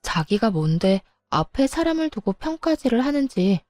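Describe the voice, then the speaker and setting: A woman narrating her own dramatized story, with sharp and indignant retorts. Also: a little high, big pitch swings, moderate pace, faint music behind.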